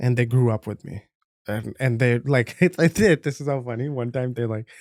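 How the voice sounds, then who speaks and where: On a very clean recording with a silent background and a dry, close sound with no echo, a man talks at a medium pitch and a moderate pace with ordinary pitch variation. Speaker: comedian. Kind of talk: casual chat. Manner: animated.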